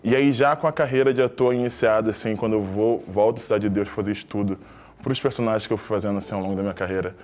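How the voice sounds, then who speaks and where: A man co-hosts a panel and talks quickly in a loose, chatty way. His voice sits fairly low. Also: fairly even intonation, a little mellow. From Rio de Janeiro, Brazil. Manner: rapid, loose and conversational. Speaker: actor and co-host. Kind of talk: casual panel talk.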